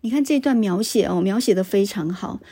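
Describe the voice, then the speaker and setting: A woman's voice: medium pitch, expressive, fairly quick, dark tone, breathy edge. A woman hosting a literature podcast, retelling a story and commenting on it in a chatty way, adding little particles. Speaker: podcast host discussing literature.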